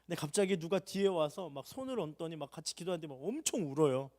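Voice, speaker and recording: A high-pitched young man preaches a heartfelt sermon in a church hall. He climbs into loud, urgent appeals, then falls to soft, low near-murmurs. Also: big pitch swings, fast. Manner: emotional preaching, swings from loud rising appeals to hushed low tones. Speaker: pastor.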